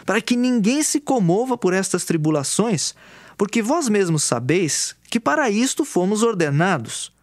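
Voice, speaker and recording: A man with a Brazilian accent reads scripture from a script for an audio Bible, earnest and declamatory, in a high, sing-song voice at moderate pace. The recording is clean studio sound with no echo, and background music plays under his voice.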